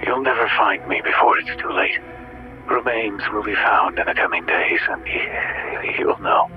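An actor playing a frightened, eerily resigned man calling emergency services in a horror audio drama, halting and ominous over a phone line. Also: lowish voice, soft background music. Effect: phone line filter. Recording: muffled, noisy phone-call sound.

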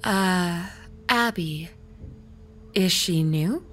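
An actress playing a caring, concerned wife who speaks gently and soothingly to her husband. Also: fairly low pitch, extremely slow, faint music behind. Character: caring young wife named Mary.

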